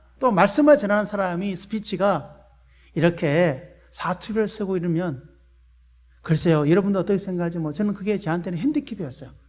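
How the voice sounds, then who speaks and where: A man speaks with a Gyeongsang accent at a fairly quick pace. His intonation is lively. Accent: Gyeongsang dialect, noticeable. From Daegu, Gyeongsang region, South Korea. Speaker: pastor. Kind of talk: sermon. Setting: church service with congregation.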